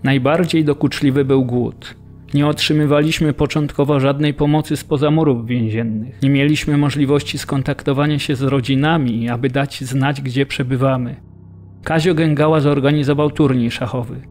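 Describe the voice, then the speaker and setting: An actor playing an earnest prisoner who recounts his captivity in measured storytelling for a radio documentary drama. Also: medium pitch, steady tone, darkish tone, faint music behind, close to an everyday voice. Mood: earnest, sober. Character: earnest male Polish prisoner recalling hunger and discipline.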